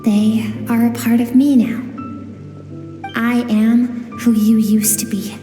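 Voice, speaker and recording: A woman voicing a gentle, earnest young girl in a video game, speaking softly and with measured pleading. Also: fairly high pitch, little pitch movement. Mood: quietly confronting. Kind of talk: scripted game voice acting. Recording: echoey reverberant hall with music behind.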